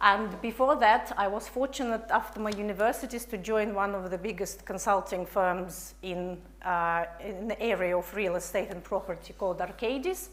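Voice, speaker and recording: A woman's medium-pitched voice at a moderate pace, with fairly even intonation and hardly any pauses. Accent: non-native. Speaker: business and career mentor. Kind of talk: workshop presentation. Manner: halting.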